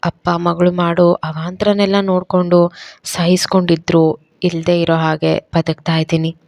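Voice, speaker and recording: A woman voicing a gentle middle-aged aunt who speaks softly and sorrowfully. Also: lowish voice, flat delivery, normal speed, gravelly. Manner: soft, tender, sorrowful.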